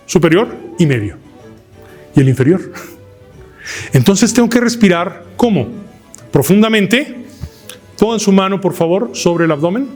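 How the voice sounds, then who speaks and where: A man with a Mexican Spanish accent teaching an oratory workshop in a lecture hall, asking the class questions and shouting words to show his technique. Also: high voice, breathy edge. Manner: lively, asks the class questions, shouts demonstrations. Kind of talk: live workshop lecture to a room. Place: lecture hall with fabric ceiling.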